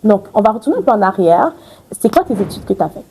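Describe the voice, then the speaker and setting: A woman's voice: medium pitch, very animated, fast, dark tone, slight background noise, poor audio. A young woman hosting an interview, enthusiastic and affirming, chatty with her guest. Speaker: host. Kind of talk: casual interview talk.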